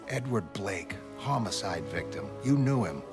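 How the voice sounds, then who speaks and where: Voicing a cynical, streetwise police detective for a motion comic, a man delivers dry, needling lines in a lowish voice with lively intonation and an unhurried pace. Music plays underneath.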